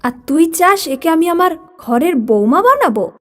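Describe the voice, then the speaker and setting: A woman's voice: extremely high pitch, very animated, moderate pace, soft background music, voice pushed up. A woman voicing a worried, fussy middle-aged mother in a cartoon. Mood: scolding.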